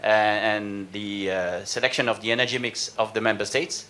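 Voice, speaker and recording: A man's voice: fairly low pitch, level tone, moderate pace, sharp tone. A man moderating a panel discussion, speaking hesitantly with many fillers and polite restarts.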